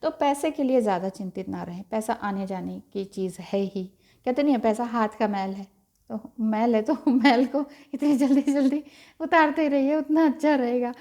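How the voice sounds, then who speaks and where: A woman giving a gentle, reassuring tarot reading and mixing in English phrases. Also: on the high side, normal speed. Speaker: tarot reader.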